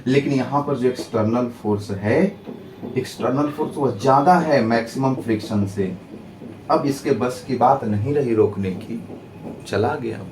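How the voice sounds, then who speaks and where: A man teaches physics to exam students in a lively, theatrical way, acting out friction as if it were begging and often asking the class whether they follow. He sounds a bit distant from the mic, with a roomy echo and a faint hum behind him. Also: mid-range voice, normal speed. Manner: dramatic, personifies friction pleading; asks students rhetorical checks. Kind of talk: exam-prep lecture.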